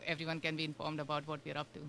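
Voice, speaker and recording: A woman's voice: low-pitched, monotone, rapid-fire, a bit bright. A woman from India, a guest on a radio show, talking casually and rambling with many fillers. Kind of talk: casual interview chat. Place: radio studio.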